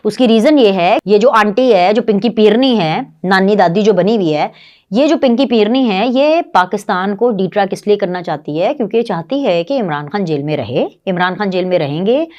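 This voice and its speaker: Woman, Pakistani Urdu accent, 30s, political show host, scornful, mocking, animated rant, mid pitch. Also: moderate pace, dull audio. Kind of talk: heated political monologue.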